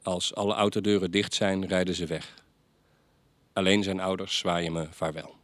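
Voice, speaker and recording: Low-voiced man reading stories aloud. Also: flat delivery, dry recording. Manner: measured, lightly chatty between pieces. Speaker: reader at a reading night.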